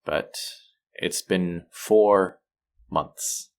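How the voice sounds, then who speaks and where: A man playing a manipulative, possessive supervillain in a roleplay audio drama, speaking in a measured, condescending yet coaxing and protective way. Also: low-pitched, full character voice. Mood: stern, persuasive.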